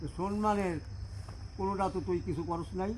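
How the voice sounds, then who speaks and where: A man's voice: high-pitched, fairly even intonation, brisk, heavy background noise. A man acting as a healer in a staged exorcism, commanding and scolding as he questions a spirit.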